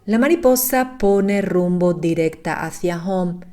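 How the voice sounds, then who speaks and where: A woman delivering scripted narration for a horror recap, in a measured, explanatory manner. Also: fairly low pitch, dark tone, faint music behind.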